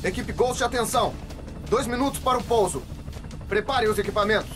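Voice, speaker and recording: An actor playing a military helicopter pilot speaking over a radio transmission in clipped radio protocol. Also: male voice, very high voice, fairly quick, music in the background. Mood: urgent. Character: male military helicopter pilot, terse and professional. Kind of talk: dubbed video game dialogue.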